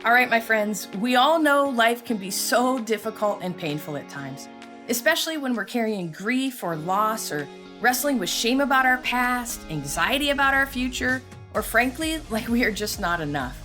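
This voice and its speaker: A woman's voice: fairly high pitch, expressive, moderate pace, bright, forceful tone. A woman opening her faith podcast with a scripted, earnest and encouraging intro. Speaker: podcast host. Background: intro music.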